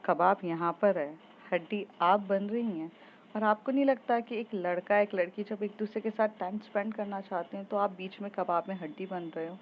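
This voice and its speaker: A woman's voice: mid-range voice, steady tone, normal speed, highs cut off, a little hiss or hum, lightly acted. A woman reading as Manav, a cocky young man.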